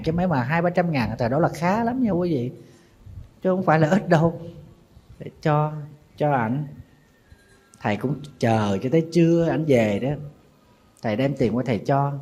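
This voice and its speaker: Mournful Southern Vietnamese monk storyteller. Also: male voice, on the high side, darkish tone, muffled recording. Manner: mournful storytelling, calls himself teacher and addresses listeners directly. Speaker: Buddhist monk. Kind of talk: storytelling sermon.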